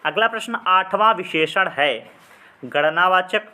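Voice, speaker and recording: Bright-voiced man teaching a lesson. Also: sits high, a little slow. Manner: reads questions then explains, drawing out words to spell them. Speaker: exam prep teacher. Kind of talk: explaining Hindi practice questions.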